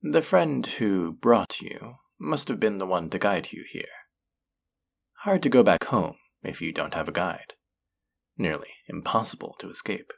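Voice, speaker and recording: Man acting a teasing, possessive demon, slow and gravelly. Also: on the low side, full character voice. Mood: smooth, inviting. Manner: teasing, taunting, seductive, drawn-out phrasing. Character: flirty, possessive male demon working in an underworld casino. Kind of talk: scripted roleplay audio drama addressed to the listener.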